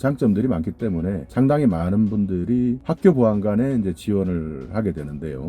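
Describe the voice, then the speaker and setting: Over background music, a man talks at a moderate pace with very wide swings in pitch. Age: 50s. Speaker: retirement and career YouTuber. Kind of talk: talking-head explainer video.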